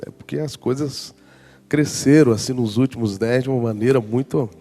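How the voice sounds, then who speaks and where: A man in his forties giving a lively storytelling testimony at a conference, acting out the voices of people in his story. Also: mid-range voice, moderate pace, in a large hall, soft background music. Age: 40s. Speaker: worship leader giving a testimony.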